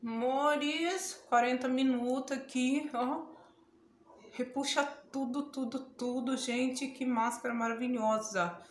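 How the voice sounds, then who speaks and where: A woman's voice: high voice, fairly even intonation, takes it slowly, echoey room, a little hiss or hum. A Brazilian woman with a Brazilian Portuguese accent, chatting casually to camera in a beauty tutorial at home, exclamatory and prone to laughing yelps. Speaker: beauty vlogger. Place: home room, indoors.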